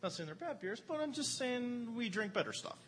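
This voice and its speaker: A man's voice: extremely high pitch, very animated, fairly quick, a bit bright, a little hiss or hum. A man from Erie, co-hosting a beer show in casual chat, enthusiastic and jokey, poking fun at himself. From Erie, Pennsylvania. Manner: enthusiastic, jokey, self-deprecating.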